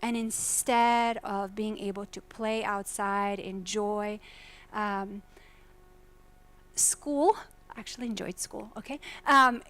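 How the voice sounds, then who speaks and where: A woman's voice: medium pitch, a bit bright. A woman from Croatia giving an earnest talk to a conference audience, putting questions to the listeners. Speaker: faculty presenter. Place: lecture hall at a business summit.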